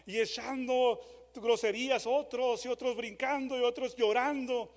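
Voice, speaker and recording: A man preaching a dramatic sermon, moving from loud re-enacted shouts to hushed questions. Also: very high voice, steady tone, measured pace. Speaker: pastor. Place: church hall. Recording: long church hall reverb.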